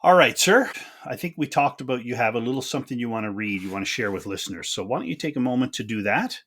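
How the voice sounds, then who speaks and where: A man's voice: mid-range voice, expressive, quick pace, fairly bright tone, husky. A man hosting a podcast, chatting casually and chummily with his guest. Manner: chummy, calls guest buddy and sir. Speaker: podcast host. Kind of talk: casual interview chat.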